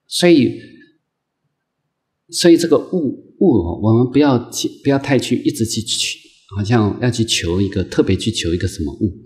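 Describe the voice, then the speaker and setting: A man, a Buddhist monk, giving an unscripted dharma lecture in a gentle, patient way, repeating phrases and filling pauses with soft drawn-out sounds. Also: mid-range voice, expressive. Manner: gentle, repetitive phrasing with many drawn-out "ah" fillers; slow, patient, coaxing delivery.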